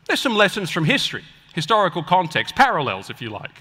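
A man preaching a sermon to a live audience with an emphatic, deliberate delivery and rhetorical pauses, in a large hall. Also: high-pitched, wildly swooping pitch, pushed and bright, slightly rough. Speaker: preacher and guest speaker at a church conference. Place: large indoor auditorium, speaking on stage. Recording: echoey large hall with long reverb.

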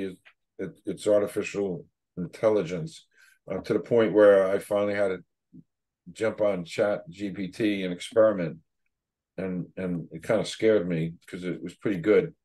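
A man's voice: lowish voice, darkish tone. An older man hosting a casual interview, rambling and emphatic, repeating words as he goes, on a video call from a home office. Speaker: show host.

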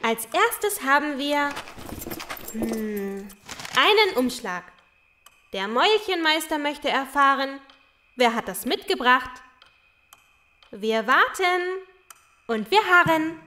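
A woman's voice: sits high, big pitch swings, slow, pauses often, bright, forceful tone, heavily acted. A woman voicing a female little creature who announces a council in formal, showy master-of-ceremonies style for a children's audio drama. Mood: grandly official.

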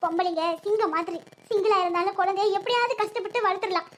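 A woman's voice: extremely high pitch, quick pace, slight background noise. A woman doing a grieving southern Tamil grandmother. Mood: earnest advice. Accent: southern Tamil Nadu. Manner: lamenting, advising. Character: grieving older village mother-in-law, stern.

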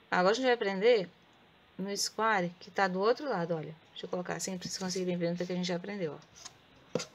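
A woman with a Brazilian Portuguese accent teaching crochet step by step. She speaks softly with a sore throat and counts stitches aloud. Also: on the low side, a little hiss or hum. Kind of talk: step-by-step craft tutorial.

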